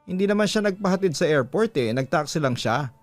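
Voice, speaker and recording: A man's voice: fairly high pitch, lively intonation, brisk, dry recording, soft background music, voice pushed up, close to an everyday voice. A man voicing a betrayed, jealous spouse in a radio drama, emotional and accusing. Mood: disbelieving, hurt.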